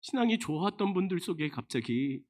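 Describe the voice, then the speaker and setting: Very animated and brisk, this man is a senior pastor delivering a forceful sermon packed with rhetorical questions. He frequently plunges without warning into a low, hushed voice.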